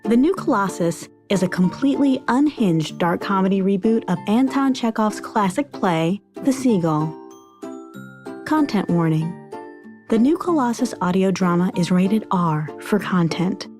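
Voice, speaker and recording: Casting: female trailer announcer, measured scripted read, middle pitch, music bed. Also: expressive. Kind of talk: scripted podcast trailer narration. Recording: music behind voice.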